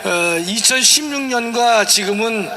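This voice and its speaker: A man's voice: extremely high pitch, animated, unhurried, sharp tone, a little hiss or hum. A man speaking as a guest professor, giving formal, emphatic political commentary and explanation. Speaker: guest, constitutional law professor.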